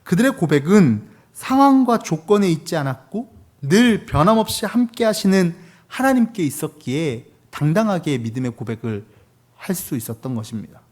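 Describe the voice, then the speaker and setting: A man's voice: a little high, lively intonation, normal speed, darkish tone. A man in his thirties, a pastor delivering a conversational sermon with rhetorical questions. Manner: conversational preaching with acted quotes and rhetorical questions.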